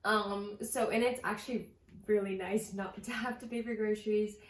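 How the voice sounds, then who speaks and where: A woman's voice: mid-range voice, steady tone, moderate pace. A young woman vlogger talking casually to the camera about her budget, chatty and full of "like" fillers. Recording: echoey room with faint ambient noise.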